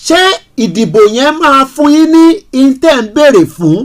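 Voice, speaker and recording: A man's voice: extremely high pitch, sing-song, fast talker. A man in his forties with a Yoruba Nigerian accent, hosting a radio talk show and speaking passionately in a mix of English and Yoruba, with many rhetorical questions. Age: 40s. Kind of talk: impassioned political radio talk.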